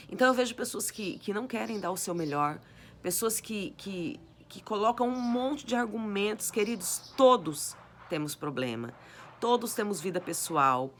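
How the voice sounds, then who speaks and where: A woman preaching a sermon with a hoarse, cracked voice, exhorting her listeners with repeated rhetorical questions. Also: mid-range voice, a little hiss or hum. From Brazil. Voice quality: raspy, cracked voice.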